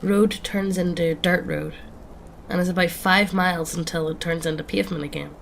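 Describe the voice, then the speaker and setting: A woman's voice: on the low side, fairly even intonation, a little fast, gravelly, slight background noise. A woman reading scary stories aloud in a casual, swearing storytelling manner. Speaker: horror story narrator. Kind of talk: scripted horror story narration.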